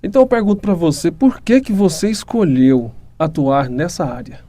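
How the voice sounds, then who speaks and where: A man's voice: a little high, normal speed, warm tone. A man with a Goiás Brazilian accent hosting a podcast, upbeat and complimentary, asking questions and speaking to the audience. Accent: Brazilian Portuguese, Goiás. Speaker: podcast host.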